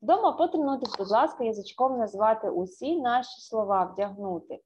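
A Ukrainian woman teaching a remote English lesson to first graders, drawing out words slowly and clearly to show pronunciation. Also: fairly high pitch, animated, darkish tone, slight background noise. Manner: slow, clear, drawn-out pronunciation demos. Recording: dull lo-fi sound.

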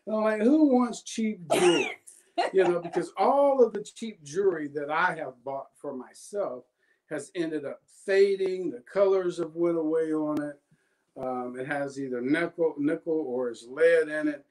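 A man's voice: on the high side, normal speed, darkish tone. Sleepy joking man selling jewelry. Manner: jokey, self-deprecating, announces items with exclamations. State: sleepy, yawning. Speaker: guest presenter of a live jewelry sale. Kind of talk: casual live sales pitch.

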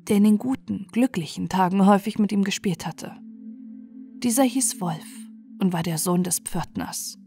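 A woman narrating a scripted fairy tale for bedtime in a measured, expressive storytelling manner. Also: mid-range voice, creaky.

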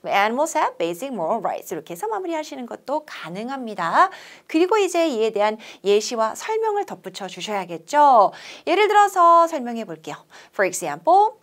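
A young woman teaches English speaking in a lecture, and her high voice swings up and down with energy. She reads model sentences slowly and crisply, then asks her students to repeat after her. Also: very animated, a bit bright. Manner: slow, over-enunciated English model phrases. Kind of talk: classroom lecture.

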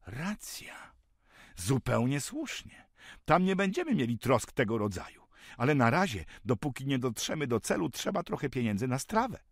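A man voicing an excitable, dreamy male villager who talks eagerly and grandly of a great journey. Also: mid-range voice, normal speed, dry recording, studio quality, pitched above the performer's own voice. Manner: eager, grandiose, raising his voice.

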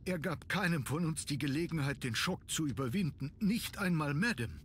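Guy doing a fretful servant in a game, really high for a man, formal, faint noise behind. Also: animated, normal speed, close to an everyday voice. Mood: agitated, distressed. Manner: formal, agitated. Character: anxious, deferential butler of a manor. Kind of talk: German video game voice acting.

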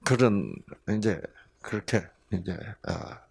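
A man's voice: lowish voice, expressive, slow, gravelly, a little mellow, husky. A middle-aged man from the region, giving a folksy health lecture with many hesitant fillers and homely humor. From Gyeongsang region, South Korea.

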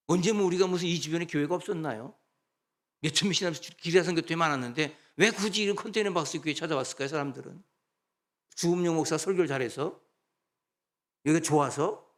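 A man preaching a sermon as pastor, animated and conversational, asking his congregation rhetorical questions. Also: fairly high pitch. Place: church sanctuary.

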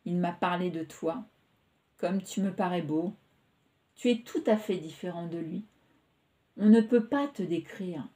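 A woman's voice: fairly low pitch, measured pace, long pauses, warm tone, close to an everyday voice. A woman reading the part of an emotional young woman who pours out her affection in a pleading, impulsive way, in a storybook reading. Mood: pleading, tender.

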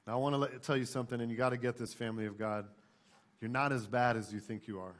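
A man's voice: medium pitch, fairly even intonation, quick pace, a bit bright. Emphatic American male preacher. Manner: emphatic, repeats questions and key phrases. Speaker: pastor. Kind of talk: sermon. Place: church stage, indoors.

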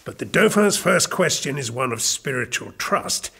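A man playing a scheming, controlling royal chamberlain in an audio drama, with a measured, formal, commanding way of speaking. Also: mid-range voice, big pitch swings, vocal fry, pushed and bright, breathy edge, heavily acted. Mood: calculating.

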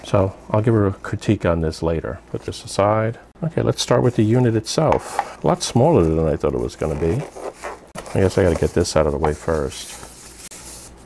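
A man's voice: sits low, animated, moderate pace, gravelly, a little mellow, a little hiss or hum. A man giving casual unboxing commentary as a product reviewer, musing aloud to himself as he goes.

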